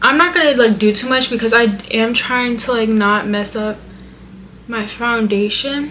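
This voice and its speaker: This woman's voice sits fairly high, with ordinary pitch variation at a moderate pace. Room echo is audible in the recording. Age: young. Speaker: beauty vlogger. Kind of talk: makeup tutorial. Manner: casual.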